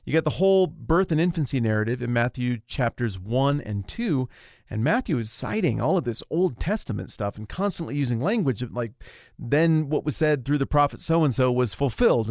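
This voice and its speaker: A male podcast host talks with energy and self-deprecating humor, summing up points quickly. His voice is mid-pitched, and the recording is close and dry. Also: lively intonation, darkish tone, no echo. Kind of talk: casual podcast chat and summary.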